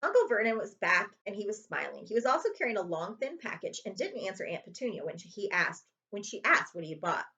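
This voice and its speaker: A woman reads a children's chapter book aloud with lots of expression. Her pitch moves around in a very lively way. The recording is slightly dull and lo-fi. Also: fairly quick, hardly any pauses. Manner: expressive storytelling with character voices. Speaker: librarian reading aloud.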